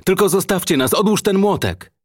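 Man voicing a panicked shrieking thug, husky, high-pitched for the reader, audiobook. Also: expressive, normal speed, no echo, studio quality. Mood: hysterical. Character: terrified hysterical young male gangster.

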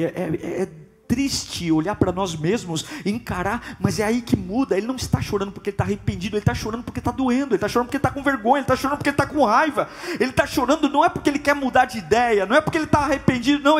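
A man preaching a sermon with passion, going from loud outbursts to hushed, low passages. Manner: impassioned, swinging from loud to hushed.

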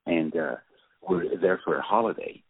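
A man with a French accent, a film director, telling anecdotes in an interview with many halting restarts and fillers. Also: sits low, vocal fry, husky, no echo. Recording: tinny phone-line audio.

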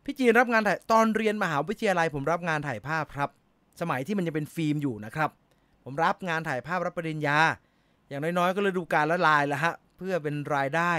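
A man's voice: fairly high pitch, quick pace, bright, forceful tone, no echo. A middle-aged man hosting a casual live chat, reading viewer comments and answering in chatty bursts, laughing easily.

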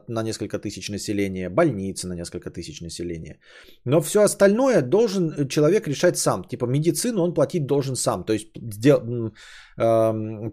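A man in his late thirties, hosting a casual stream and chatting with his audience in a rambling, opinionated way, with lots of fillers and pitch that jumps up when he gets indignant. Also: dark tone. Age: 30s. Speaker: podcast host streaming. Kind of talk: casual stream chat reading donations.

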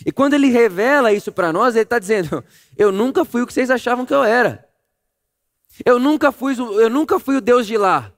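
A man preaching a sermon, telling the story vividly and swinging from loud emphasis to a hush. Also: very high voice, brisk. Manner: animated storytelling, acting out voices, swings between loud and hushed.

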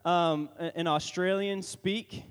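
A man's voice: sits high, fairly even intonation, slow, clear, resonant tone. A man making casual church announcements, joking and rambling with many restarts. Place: church sanctuary. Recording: long reverb from a large church hall.

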